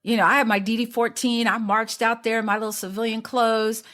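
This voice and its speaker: A woman's voice: a little high, brisk. Chatty woman podcast host. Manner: chatty, animated asides and acted-out quotes. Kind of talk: conversational interview.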